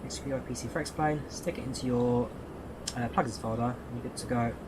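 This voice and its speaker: An English man chats loosely through a live stream, thinking out loud and answering viewers as he goes. His voice sits at an everyday middle pitch. A clear, steady hum like air conditioning runs under his voice. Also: fairly quick. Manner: chatty, thinks aloud, answers chat viewers. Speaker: flight simulator streamer. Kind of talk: casual live-stream commentary.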